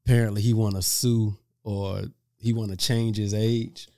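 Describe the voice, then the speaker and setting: A man's voice: lowish voice, level tone, moderate pace, dark tone. A man co-hosting a podcast, talking in informal, slangy banter with an amused manner. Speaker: podcast co-host. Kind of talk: casual banter.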